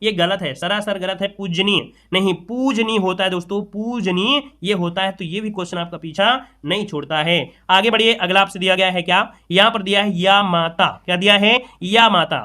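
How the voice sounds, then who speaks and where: Bright high-voiced male exam tutor. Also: normal speed, few pauses. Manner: repeats words, addresses viewers as friends. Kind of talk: spelling lesson for exam students.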